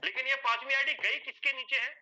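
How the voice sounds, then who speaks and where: A man's voice: extremely high pitch, fairly even intonation, fast, pushed and bright. A man walking listeners through an explanation on a whiteboard, step by step, repeating points, asking himself questions and answering them, and calling his listeners sir and brother. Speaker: presenter explaining an earning plan. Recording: dull lo-fi recording.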